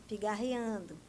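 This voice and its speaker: Speaking as a speech therapist in a TV news studio interview, this Brazilian woman has a somewhat high, slightly mellow voice and a Brazilian Portuguese accent. Her manner is didactic: she explains carefully and keeps asking questions she then answers. Faint noise lies beneath her voice.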